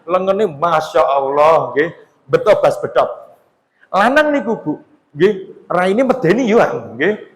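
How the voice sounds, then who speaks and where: A man with a high voice and a Javanese accent preaches in a relaxed, joking way, talking straight to the women in front of him. His voice rings out through a large hall with a long, echoing tail. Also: slow. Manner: chatty, joking, mixes Javanese into Indonesian, addresses women in the audience. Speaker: Islamic preacher. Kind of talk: humorous religious lecture. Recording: echoey hall with long reverb.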